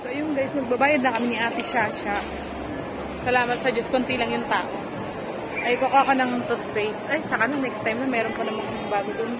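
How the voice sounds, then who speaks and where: A woman's voice: a little high, steady tone, brisk. Chatty woman vlogging in a busy supermarket. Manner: chatty, addresses viewers while shopping. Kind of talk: casual shopping vlog. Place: busy supermarket aisles, indoors. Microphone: phone held at arm's length. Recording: loud crowd and store noise.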